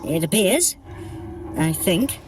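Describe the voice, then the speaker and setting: A woman's voice: on the low side, very animated, slow, background noise. A woman playing a haughty, sardonic trickster god in an audio adventure, theatrical and condescending, with flustered hesitations. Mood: flustered, alarmed. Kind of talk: scripted audio adventure acting.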